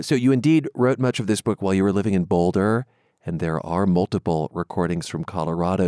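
A man's voice: lowish voice, a little mellow, no echo, studio quality. A man hosting a public radio show, friendly and upbeat, lightly joking with his guest. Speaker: radio host.

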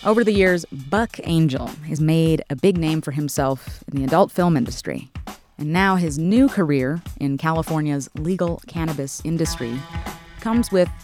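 Smooth promo announcer over music. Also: medium pitch, normal speed, a little mellow. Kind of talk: scripted podcast promo. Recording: faint music bed.

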